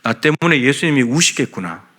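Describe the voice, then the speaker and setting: A man's voice: mid-range voice, very animated, brisk, sharp tone. A male pastor preaching a sermon in a church, earnestly voicing God's questions to the congregation. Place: church sanctuary.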